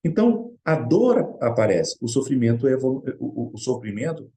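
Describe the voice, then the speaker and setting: A middle-aged man with a Brazilian Portuguese accent speaks in a relaxed, mellow tone. His pitch sits in an ordinary middle range. He tells a personal story in an earnest, conversational way as a speaker at a Spiritist study session. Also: moderate pace.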